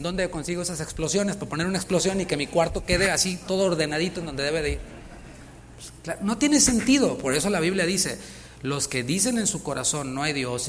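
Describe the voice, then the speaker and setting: Pastor guy preaching, pretty high voice, punchy, asks the crowd stuff, a little hiss behind. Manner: emphatic preaching with rhetorical questions to the congregation. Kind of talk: sermon. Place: church in Houston.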